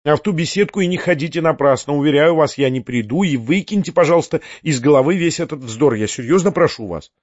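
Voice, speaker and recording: A man's voice: fairly high pitch, lively intonation, fast, hardly any pauses, darkish tone, no echo. A male reader voicing an earnest, reproachful young woman who pleads and scolds in rising exclamations. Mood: insistent. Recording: dull, muffled audiobook recording.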